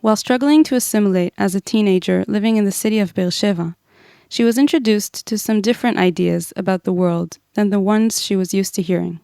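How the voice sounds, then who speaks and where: A woman's voice: medium pitch, a little fast, creaky, smooth, dry recording, clean studio sound. A woman in her thirties from Israel hosting a podcast. She reads an earnest scripted intro, then chats casually with her guest. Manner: earnest, then relaxed and chatty. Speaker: podcast host.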